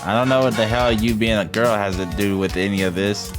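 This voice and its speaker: Over game music, a man with a lowish, steady voice reads a visual novel aloud at a brisk clip. He's a streamer doing a casual let's-play translation, tossing in irreverent asides as he goes.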